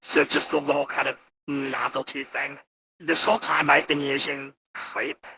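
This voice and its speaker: A man casually walking through software, his voice turned gritty and grating by an AI voice changer. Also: mid-range voice, level tone, normal speed, noisy background. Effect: AI voice changer with screamy character model. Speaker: host demonstrating voice models. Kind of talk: casual live software walkthrough.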